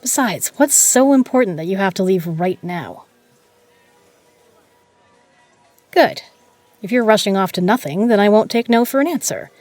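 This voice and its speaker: A woman's voice: medium pitch, lively intonation, brisk, a little mellow, no room sound, faint music behind, close to an everyday voice. A woman plays a shrewd bar-owning card shark in an audio roleplay. She is a proud, brash woman with a sardonic edge and a mid-range voice. The sound is dry and close. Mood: confident, breezy. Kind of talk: dramatic audio roleplay acting.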